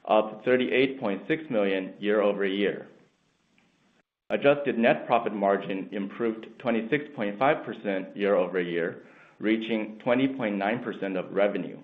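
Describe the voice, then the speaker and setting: A man reading a scripted financial presentation as a company executive on an earnings call. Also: fairly low pitch. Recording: narrow tinny phone line.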